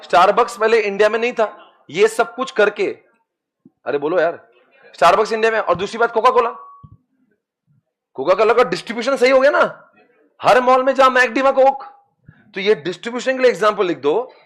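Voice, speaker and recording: A man's voice: high-pitched, moderate pace, long pauses. A man lecturing a class of commerce students, chanting memory tricks and coaxing them to repeat after him. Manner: lively, chants mnemonics and coaxes students to repeat; addresses students as beta and friends, teasing.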